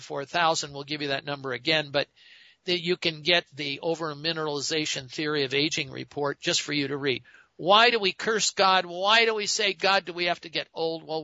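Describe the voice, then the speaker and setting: A man's voice: high voice, bright, forceful tone, dry recording, dull audio. A man in his sixties hosting a health talk radio show, explaining in an earnest, lecturing way. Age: 60s. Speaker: radio host.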